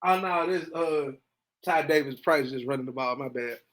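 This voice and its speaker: Guy doing a sports podcast rant, casual and hyped, goes from low muttering to loud high excited bits. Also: normal speed. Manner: animated, swings between low mutters and excited high bursts. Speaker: podcast host. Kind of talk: casual sports reaction monologue.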